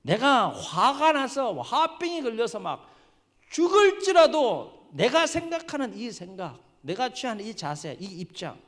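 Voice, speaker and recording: A preacher doing a stubborn, defiant prophet. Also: male voice, very high voice, big pitch swings, dark tone, big-room sound, voice pushed up. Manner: drawn-out, defiant protest. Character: stubborn, indignant male prophet insisting he is right.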